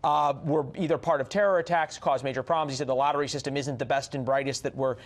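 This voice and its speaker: Higher-pitched American male news anchor. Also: fairly even intonation, fast talker. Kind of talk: live television news interview.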